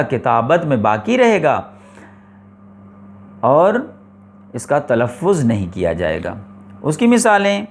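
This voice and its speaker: Giving a classroom lecture, a man from Pakistan with a somewhat high voice teaches the rules of Quran recitation. He explains slowly and deliberately, repeating his points and posing rhetorical questions.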